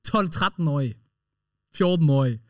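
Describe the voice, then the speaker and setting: A man co-hosting a podcast, telling stories in an excitable, slangy way with English words mixed in. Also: a little high, dry recording, clean studio sound, distant mic. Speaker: podcast co-host. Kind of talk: casual storytelling chat.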